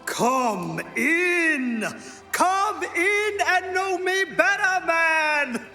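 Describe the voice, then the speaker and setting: Casting: hearty giant spirit in audio drama, very slow, wildly animated, theatrical and exuberant. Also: female voice, very high voice, soft background music, heavily acted. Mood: jovial, booming. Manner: exuberant, theatrical, drawn-out delivery.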